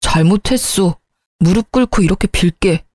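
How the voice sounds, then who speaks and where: A woman's voice: medium pitch, normal speed, darkish tone, dry recording, close to an everyday voice. A woman voicing a remorseful young husband who begs his wife for forgiveness, in a storytelling radio reading. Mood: pleading. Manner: begging, apologetic.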